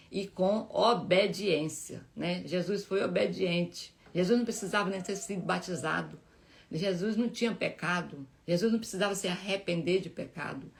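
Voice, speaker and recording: Female host, lowish fry-edged voice, informal heartfelt Bible talk full of restarts. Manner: heartfelt, halting, many restarts and fillers. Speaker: Bible study live host.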